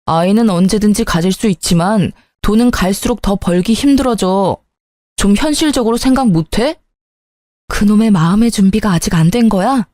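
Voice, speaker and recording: A woman's voice: medium pitch, moderate pace, no room sound, clean studio sound, close to an everyday voice. A woman voicing a young husband who is irritable and defensive in a spoken story. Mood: irritated. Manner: sulky, sharp-tongued, pleading at times. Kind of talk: storytelling with dialogue.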